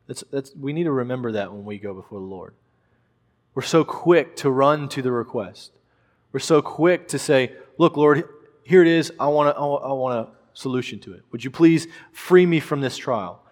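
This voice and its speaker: A man's voice: mid-range voice, big-room sound. A man preaching a sermon, earnest and emphatic, repeating phrases for stress.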